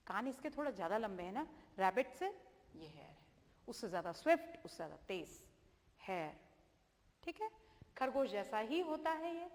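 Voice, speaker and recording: A woman's voice: fairly high pitch, big-room sound. A woman teaching children, patiently repeating and spelling words out, checking in with them often. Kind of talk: children's vocabulary lesson.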